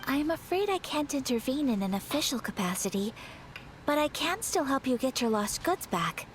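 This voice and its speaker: An actress playing a composed young noble eldest daughter who speaks formally and with measured poise. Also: female voice, high voice, very animated, a little hiss or hum.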